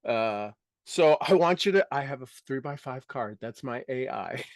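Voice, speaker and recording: A man's voice: medium pitch, animated, moderate pace, no room sound, studio quality. A man teaching a live motivational workshop to an audience, speaking emphatically, repeating key words and dropping casual asides.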